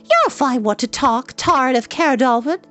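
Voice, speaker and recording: A man's voice: very high-pitched, animated, moderate pace, pushed and bright, faint music behind, voice pushed up, heavily acted. A man voicing a spirited, talkative young girl who teases and scolds. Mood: teasing chatter.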